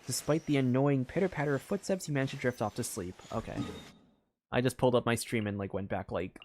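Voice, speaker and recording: A man streaming a game, reacting excitedly and reading game text aloud in casual commentary. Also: medium pitch, fast, slight background noise. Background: faint game music.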